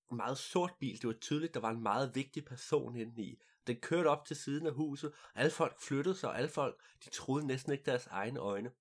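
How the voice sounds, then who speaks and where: A person telling an improvised story in a lively way, adding sound effects. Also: medium pitch.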